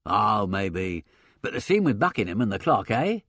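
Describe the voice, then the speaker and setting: A man's voice: on the low side, sing-song, normal speed, fairly bright tone, dry recording, clean studio sound. A man voicing a blunt, talkative older theatrical agent who speaks in a colloquial, opinionated way. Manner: colloquial, drops grammar, chuckles, opinionated. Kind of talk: audiobook character reading.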